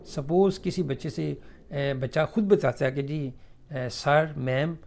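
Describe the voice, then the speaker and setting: Male English teacher with a raised, gravelly voice. Drags out each model sentence, then explains it in a chatty, filler-heavy way. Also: fairly high pitch, darkish tone, slight background noise. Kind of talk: spoken English lesson explained in Urdu.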